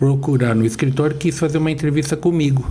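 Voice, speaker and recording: Audible room echo and noticeable background noise surround a man whose pitch sits fairly high. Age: 60s. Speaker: lawyer and law professor. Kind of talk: interview conversation.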